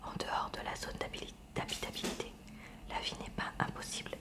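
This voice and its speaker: Female, library whisper, ASMR read-aloud, textbook narration, hushed, measured, careful enunciation. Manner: whispers throughout, library-style hushed reading.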